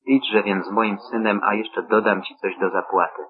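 A devout old blind father speaks in a low, husky voice, read by a man. The delivery is solemn and measured, like scripture read aloud. The sound is thin and tinny, as if heard over a phone line. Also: little pitch movement. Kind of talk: scripture reading.

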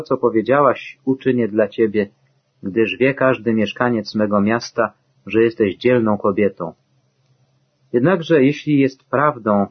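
A man reading the part of Boaz, an older landowner, kind and firm, in a solemn, measured way, in a dull lo-fi recording. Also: on the low side, breathy edge.

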